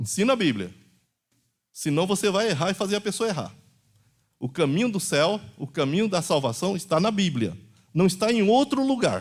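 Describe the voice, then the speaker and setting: Here a man speaks at a high pitch with lively intonation and a moderate pace. He leaves long, frequent pauses, and the recording is very clean with a silent background. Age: 60s. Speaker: pastor. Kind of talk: Bible class lecture. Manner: emphatic.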